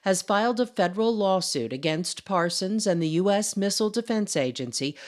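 A woman reporting for radio news, reading her script in a crisp, steady voice. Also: medium pitch, normal speed.

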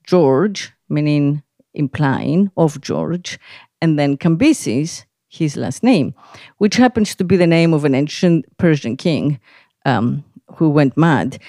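A woman's voice: deep voice, lively intonation, takes it slowly, mellow, dry recording, clean studio sound. A middle-aged woman from Greece, whose first language is Greek, talking casually as a podcast host, rambling with many fillers and frequent laughs. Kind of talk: casual conversation.

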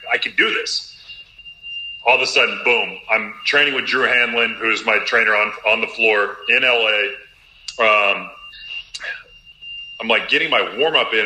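A man's voice: medium pitch, sharp tone. A young adult man, a professional basketball player, telling a candid and emotional story in an interview and quoting his own thoughts along the way. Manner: earnest, emotional, quick retelling with quoted self-talk. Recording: roomy echo.

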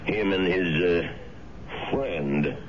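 Low-voiced, matter-of-fact doctor. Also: male voice, extremely slow, slight background noise. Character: matter-of-fact, kindly male doctor breaking news. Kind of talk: 1970s radio drama acting. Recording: dull 1970s radio recording.

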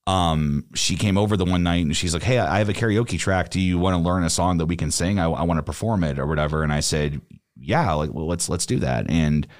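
A man's voice: low-pitched, brisk, no echo, studio quality. A young man co-hosting a podcast, chatting casually and rambling with many fillers and restarts. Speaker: podcast co-host.

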